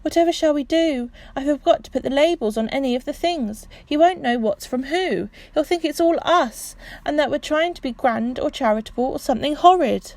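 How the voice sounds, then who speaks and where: A woman reading as an earnest young girl, high and urgent, her words tumbling out anxiously. A dry, close storybook voice. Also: moderate pace, few pauses, a little mellow, no room sound. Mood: dismayed. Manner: breathless, urgent whispering.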